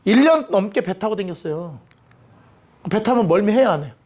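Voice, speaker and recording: With the highs cut off in the recording, a man whose voice sits high moves fairly quickly through a Bible study. Lively and humorous, he quizzes his listeners and gives voice to the people he quotes.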